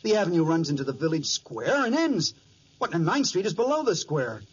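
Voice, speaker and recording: An actor playing an eager, brisk young contractor and ex-soldier in a 1940s radio drama. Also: male voice, fairly high pitch, big pitch swings. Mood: puzzled, indignant. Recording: noisy, dull 1940s radio recording.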